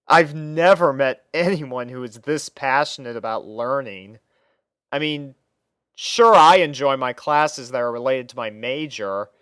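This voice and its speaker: A man narrates a scripted fan story in the first person. His voice is smooth and clear, with a conversational storytelling manner. The recording is dry, with little room sound. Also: mid-range voice, a bit bright, no echo. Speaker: narrator and reader playing the first-person lead.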